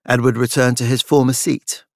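Guy narrating a literary story, slightly higher voice, very dry close recording. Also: little pitch movement, normal speed, dry recording. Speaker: audiobook narrator. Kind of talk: scripted literary fiction narration with character voices.

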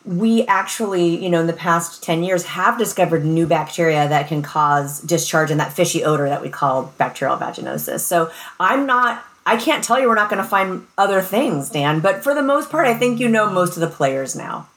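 A woman's voice: lowish voice, animated, moderate pace, hardly any pauses, a bit bright. An American woman speaking as a medical expert guest, explaining things in an informal, plain-spoken, conversational way.

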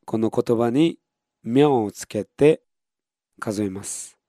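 A man's voice: mid-range voice, slow pace, warm tone, dry recording, clean studio sound. A man teaching beginner in Japanese, patiently repeating each word and modeling pronunciation for counting drills. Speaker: Korean language teacher.

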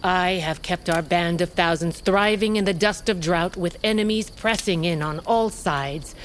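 A middle-aged woman playing a proud, commanding tribal queen and stern mother in an audio drama, formal and measured. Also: on the low side, a little hiss or hum, close to an everyday voice.

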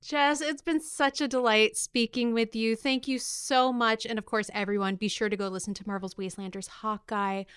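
Female podcast host, crisp resonant voice in a close dry recording, upbeat chatty delivery. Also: fairly high pitch, steady tone, normal speed, few pauses, a bit bright, no room sound. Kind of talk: upbeat conversational podcast hosting.

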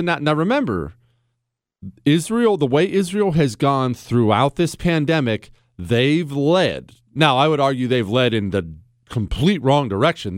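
A man's voice: fairly high pitch, no room sound, clean studio sound. A man hosting a political talk show, delivering a mocking, jokey monologue with self-admiring asides. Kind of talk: sarcastic monologue.

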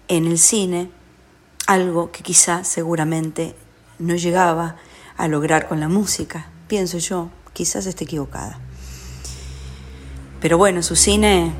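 A woman with an Argentine accent speaks in a low register with very little rise and fall. She is a guest offering a personal tribute, reflective and halting, pausing often as she searches for words. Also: a little hiss or hum.

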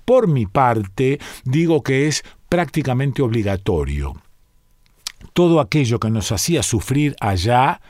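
Man reading a solemn white-haired elder, slow and dignified, storybook, dry sound. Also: mid-range voice, very animated, darkish tone, dry recording. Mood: earnest.

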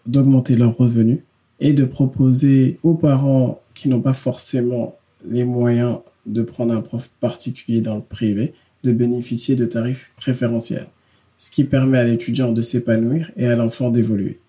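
A man hosting a podcast, reading a clear, steady intro and then chatting easily with his guest. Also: mid-range voice, normal speed. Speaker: podcast host, social educator. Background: faint music under intro.

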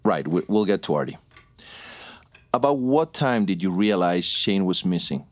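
A middle-aged man playing a patient police detective, calm and reassuring. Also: sits low, normal speed.

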